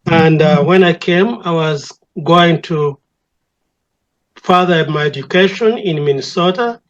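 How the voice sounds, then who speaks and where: An older man with a Ugandan accent, a church elder speaking reflectively and deliberately as an interview guest, repeating phrases for emphasis. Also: a little high, highs cut off. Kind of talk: reflective conversation.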